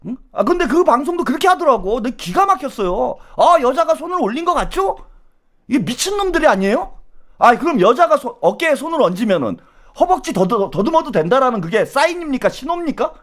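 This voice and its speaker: A man hosting a live political stream, ranting angrily with coarse words and rhetorical questions, dropping to a low mutter and then rising to loud outbursts. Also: big pitch swings, quick pace. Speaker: political YouTube host.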